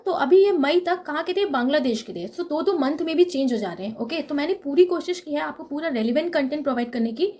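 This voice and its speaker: A young woman teaching an exam-prep lesson. She walks through memory tricks step by step, often checks in with "okay", and slows down on key words to stress them. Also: sits high.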